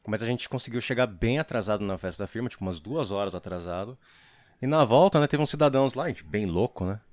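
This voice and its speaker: A man's voice: lowish voice, animated, quick pace, darkish tone, no room sound. A man guesting on a podcast, telling a rambling, slangy story in casual chat.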